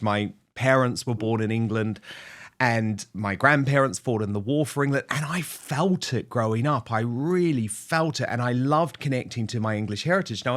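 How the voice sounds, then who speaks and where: A middle-aged man hosts an opinion talk show with lots of emphasis. His pitch moves widely up and down as he argues his points. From New Zealand. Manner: animated, emphatic. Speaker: host.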